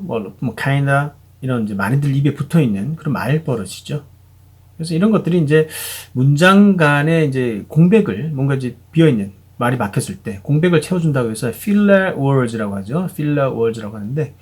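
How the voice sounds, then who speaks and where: Husky-voiced man teaching pronunciation. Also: mid-range voice, animated, moderate pace. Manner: patient, chatty, frequent fillers and "그죠?" check-ins. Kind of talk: explanatory video lesson.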